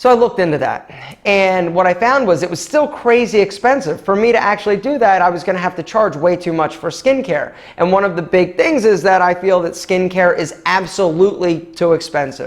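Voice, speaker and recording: The talk moves at a fairly quick pace with hardly any pauses, over noticeable background noise. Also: man, high pitch for a man, ordinary pitch variation. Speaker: entrepreneur vlogger. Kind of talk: casual vlog monologue. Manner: fast.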